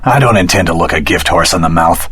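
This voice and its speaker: An actor playing an earnest, determined young hero in a video game, with a dramatic, heroic delivery. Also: male voice, low-pitched, fast talker, fairly bright tone, husky. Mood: focused, businesslike.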